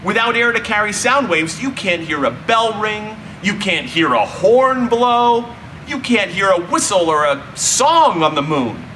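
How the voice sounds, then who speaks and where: A man narrating a children's story expressively, with dramatic, drawn-out emphasis and deliberate pauses. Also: high-pitched, big pitch swings, bright, forceful tone. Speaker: storyteller reading a children's book. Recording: distant mic, faint background hum.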